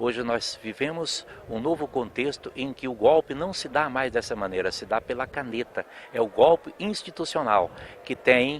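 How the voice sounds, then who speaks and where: Here a man has an ordinary speaking voice with a fairly high pitch. He talks at a moderate pace with ordinary pitch variation. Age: 60s. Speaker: labor lawyer and union educator. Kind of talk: interview. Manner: formal.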